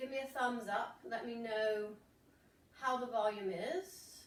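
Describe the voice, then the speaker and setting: A woman talks loudly at a very slow pace, her high pitch carrying lively intonation. There is audible room echo. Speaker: fitness instructor. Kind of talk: live online exercise class instruction.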